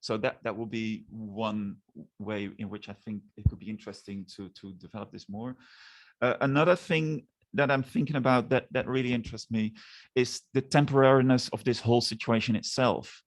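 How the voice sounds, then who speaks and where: A man speaking as a discussant at an academic seminar, in a measured, thoughtful way with frequent restarts. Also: medium pitch, fairly even intonation. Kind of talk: academic discussion, spoken questions.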